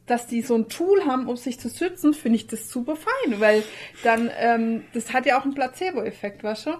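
A woman's voice: fairly high pitch, normal speed, darkish tone. A woman chatting casually as a podcast co-host. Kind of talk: casual chat.

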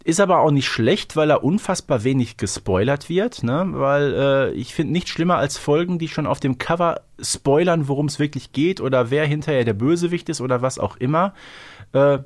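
A man's voice: on the high side, animated, normal speed. A man co-hosting a podcast, talking colloquially and often adding tag questions. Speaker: podcast co-host. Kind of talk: casual podcast discussion.

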